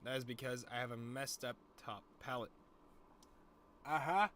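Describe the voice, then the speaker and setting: A man's voice: mid-range voice, steady tone, moderate pace, a bit bright, slight background noise. A young man with a lisp and a stutter, chatting casually and rambling in a loose, jokey way with plenty of swearing as he talks to his viewers. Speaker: streamer. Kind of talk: casual stoner vlog chat.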